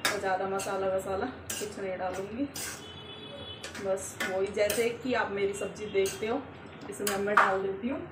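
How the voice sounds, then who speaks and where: A woman's voice: medium pitch, little pitch movement, moderate pace, reverberant, very noisy. A woman chatting casually to her viewers while she cooks at home, talking through each step with many fillers. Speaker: vlogger. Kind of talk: casual cooking vlog narration. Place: home kitchen and rooftop.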